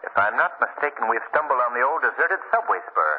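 An actor in an old radio mystery playing a composed, decisive gentleman detective with polite, formal phrasing. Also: medium pitch, lively intonation, fast, lightly acted. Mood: composed, purposeful. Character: composed, decisive gentleman sleuth, courteous and commanding. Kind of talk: 1940s radio mystery acting. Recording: phone-like, faintly noisy old radio recording.

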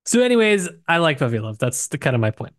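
Casual man chatting, medium pitch, dry sound. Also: sing-song, quick pace, dry recording. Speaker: podcast co-host. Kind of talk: casual book discussion.

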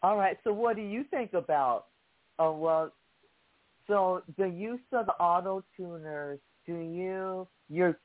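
Male radio interviewer, slow and halting, phone-line sound. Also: on the high side, dry recording. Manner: slow, halting questions with fillers. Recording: dry, narrow phone-like sound.

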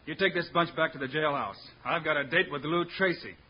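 Man playing a steady, confident western lawman. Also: fairly high pitch, a little fast, lightly acted. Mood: firm. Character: steady, confident male frontier marshal hero. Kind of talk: 1950s radio western drama. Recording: dull old radio broadcast.

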